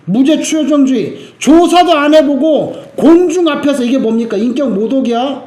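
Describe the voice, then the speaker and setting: A male pastor preaching a sermon, telling the story with lively acted-out quotes and sudden shouts. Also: very high-pitched, moderate pace. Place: church sanctuary. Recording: echoey church sanctuary.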